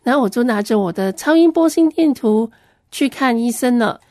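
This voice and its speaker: Woman, high-pitched, dry recording, earnest personal testimony. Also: expressive, moderate pace, warm tone, no room sound. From Hong Kong. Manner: earnest, plain storytelling. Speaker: Christian ministry worker giving a testimony.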